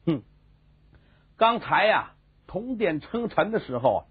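A man's voice: high-pitched, big pitch swings, unhurried, breathy edge, exaggerated voice. A man voicing a sly male minister who kneels and mutters a self-pitying complaint to himself. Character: sly middle-aged male minister kneeling in humble pretense. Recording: tinny phone-like sound.

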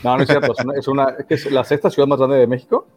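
Fast-talking interviewer, a man. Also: mid-range voice, little pitch movement, a little mellow. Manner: teasing, joking. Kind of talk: casual conversation.

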